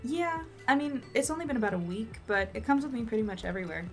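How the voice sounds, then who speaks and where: A woman's voice: fairly high pitch, lively intonation, quick pace, faint music behind. A woman playing a reserved young newcomer reporter in an audio drama, polite and hesitant with a dry streak. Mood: relaxed.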